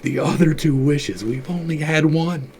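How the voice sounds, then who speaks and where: A man's voice: fairly high pitch, measured pace, vocal fry, a little mellow, slight background noise. A man reading aloud voices a grieving old woman who cries out in wild, pleading bursts.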